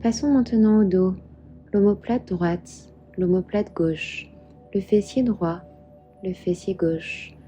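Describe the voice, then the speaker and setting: A woman with a very soft, dark, relaxed voice leads a guided meditation over background music. She speaks slowly and soothingly, giving each instruction in a calm, measured way at a medium pitch.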